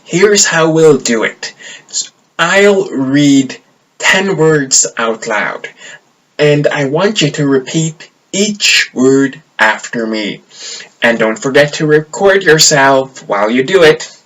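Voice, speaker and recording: A man teaching a pronunciation lesson, speaking carefully and deliberately to his viewers. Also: fairly high pitch, expressive, fairly bright tone, poor audio. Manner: careful, deliberate delivery, modeling words slowly. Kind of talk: slow, clear pronunciation lesson.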